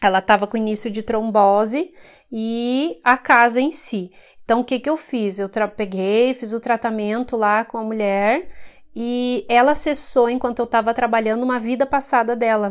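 A woman's fairly high voice at a moderate pace with ordinary pitch variation, in a very clean recording with a silent background. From Rio Grande do Sul, Brazil (German-descended interior town). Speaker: spiritual teacher and therapist. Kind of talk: casual interview chat.

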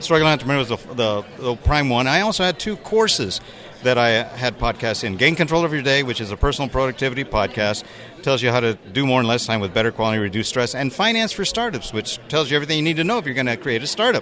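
Noticeable background noise sits behind a man talking at a very fast pace. His pitch is medium and his intonation lively. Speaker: podcaster. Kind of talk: casual interview. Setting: live event.

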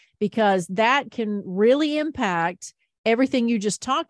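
A woman speaks in a normal speaking voice at a moderate pace and a fairly high pitch. The sound is dry and close with no echo, over a quiet background. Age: 50s. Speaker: podcast host. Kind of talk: interview.

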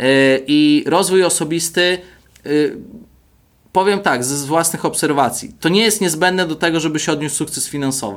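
On a very clean recording with a silent background, a man with an ordinary speaking voice and a fairly high pitch speaks at a moderate pace with ordinary pitch variation. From Poland. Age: 30s. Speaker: entrepreneur and social media marketer. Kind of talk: interview.

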